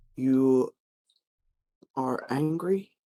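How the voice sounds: Rumbling put-on character voice from a man, medium pitch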